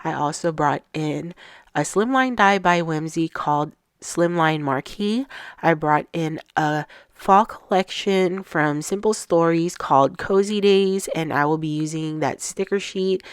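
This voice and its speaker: A woman's voice: low-pitched, clean tone, dry recording, clean studio sound. A middle-aged woman with a stuffy, slightly sore-throated voice, talking through a craft tutorial voice-over step by step. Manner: plain and unhurried, explaining step by step. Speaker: craft channel host.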